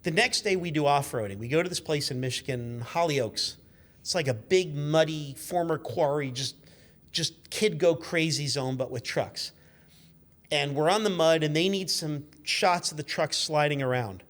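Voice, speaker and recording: Higher-voiced man telling rambling stories. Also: normal speed. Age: 50s. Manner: animated, rambling, sweary storyteller. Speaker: guest, car magazine journalist. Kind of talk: casual chat, anecdote telling.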